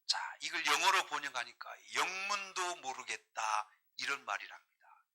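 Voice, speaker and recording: Bright-voiced preaching man. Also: a little high, lively intonation, normal speed. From Jeolla, South Korea. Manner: emphatic, asks the congregation rhetorical questions. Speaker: pastor. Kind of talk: sermon with scripture reading.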